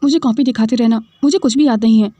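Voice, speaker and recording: A woman's voice: fairly high pitch, quick pace, mellow, no echo, lo-fi sound, lightly acted. A woman voicing a dramatic young female student who complains in a whiny, indignant way. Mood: annoyed.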